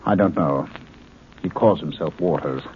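An actor playing a protective, indignant captive Earth scientist, questioning urgently in a 1950s radio drama. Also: male voice, a bass voice, measured pace, breathy edge, heavily acted. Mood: reassuring, wary. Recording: tinny, noisy 1950s radio recording.

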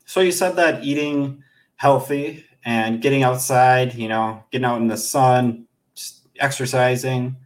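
A man's voice: mid-range voice, fairly even intonation, measured pace. Polite probing male interviewer. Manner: probing, polite, hesitant restarts. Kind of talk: casual interview questioning.

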